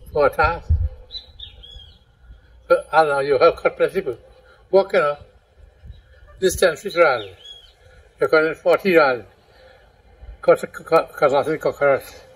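A man talks at a moderate pace in a Trinidadian accent. His pauses are long and frequent. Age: 80s+. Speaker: retired sugar cane labourer. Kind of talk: interview answer. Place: garden.

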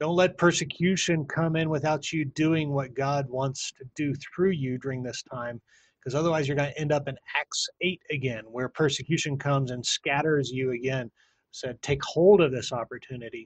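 Somewhat breathy and fairly high-pitched, a man with an American accent talks with fairly even intonation in a dry, close sound with no echo. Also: moderate pace. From Texas. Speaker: missions organization president. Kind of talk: interview.

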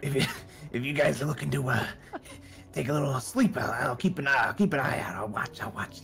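A put-on character voice speaks at a low-to-middle pitch and a fairly slow pace. Long, frequent pauses break it up over clear background noise. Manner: breezy, smooth-talking, nonchalant.

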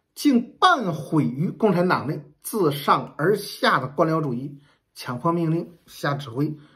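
Very slow speech from a man over a quiet background. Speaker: history commentator. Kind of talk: commentary. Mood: critical, indignant. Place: home room. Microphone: phone near.

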